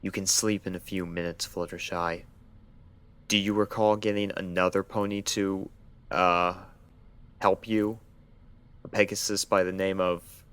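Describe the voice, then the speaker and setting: A man voicing a guarded male doctor pony questioning a patient in a story reading, stiff and measured. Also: low-pitched, level tone, fairly bright tone, clean tone. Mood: clinical, questioning. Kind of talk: dramatized fan fiction reading.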